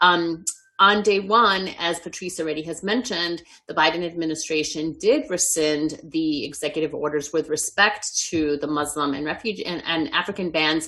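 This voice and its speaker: In a normal speaking voice, a woman with a fairly low pitch talks at a moderate pace with ordinary pitch variation. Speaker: immigration policy advocate. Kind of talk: panel presentation. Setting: online meeting.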